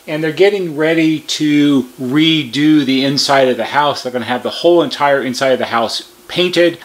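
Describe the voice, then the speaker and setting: An American man giving a casual, plain-spoken video demonstration as a repair technician, explaining things conversationally. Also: medium pitch. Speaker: repair shop technician presenting a how-to video. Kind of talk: casual product demonstration talk.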